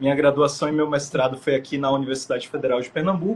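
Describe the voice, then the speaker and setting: Fairly high-pitched for a man, this man speaks with fairly even intonation. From Recife, northeastern Brazil. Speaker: philosophy professor and activist. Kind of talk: casual interview on a live stream.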